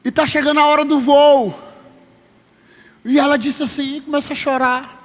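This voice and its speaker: A pastor in his thirties preaches a sermon emphatically, slowing down to stress his words and calling listeners "brother." His voice is very high with a level tone. The long reverb of a large hall surrounds him.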